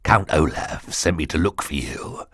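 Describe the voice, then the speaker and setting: A man voicing a cruel hook-handed henchman with a croaking voice in an audiobook, speaking in a low threatening whisper. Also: lively intonation, a little slow, a bit bright, no room sound, exaggerated voice. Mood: sneering. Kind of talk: audiobook character voice.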